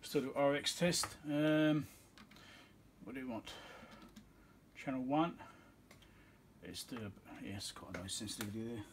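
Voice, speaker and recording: This man speaks in a mid-range voice at a measured pace, pausing often, as background noise fills the recording. An electronics repair technician and video host, he's at a small, cluttered indoor workbench, casually muttering his thoughts while working.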